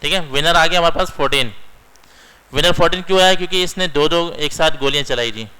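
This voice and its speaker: A man's voice: a little high, fast, sharp tone, smooth, low-quality recording. A young man teaching a computer lesson, walking through each step and often checking in with his students. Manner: explains step by step, keeps checking in with "theek hai". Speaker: computer instructor. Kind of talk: screen-recorded computer lesson.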